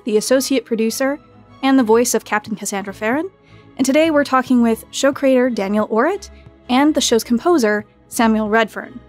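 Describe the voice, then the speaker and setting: Female host for audio roundtable, somewhat higher voice, music behind. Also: darkish tone. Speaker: host, associate producer and voice actor. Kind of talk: scripted podcast intro and interviewing.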